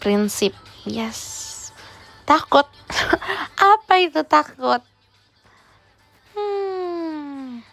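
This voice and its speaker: A woman's voice: sits high, sing-song, extremely slow, creaky, long pauses, a bit bright, soft background music. A young woman, chatting teasingly in a playful role-play livestream and dropping in English words. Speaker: idol livestreamer.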